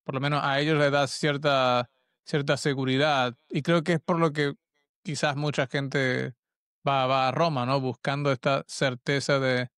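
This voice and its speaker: A man's voice: mid-range voice, little pitch movement, a little slow, fairly bright tone, smooth, no echo, clean studio sound. A man hosting a podcast interview, reflective and stammering at the starts of thoughts. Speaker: podcast host. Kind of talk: conversational interview.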